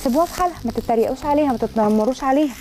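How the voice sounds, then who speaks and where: Very fast-talking Egyptian woman. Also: high-pitched, noisy background. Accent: Egyptian Arabic. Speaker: food blogger. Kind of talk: chatty cooking advice.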